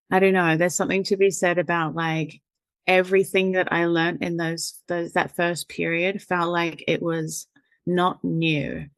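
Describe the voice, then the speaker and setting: A woman from New Zealand with a fairly low voice is a guest in a casual conversational interview. She rambles and laughs, using plenty of fillers and the occasional swear word, and the recording has no echo.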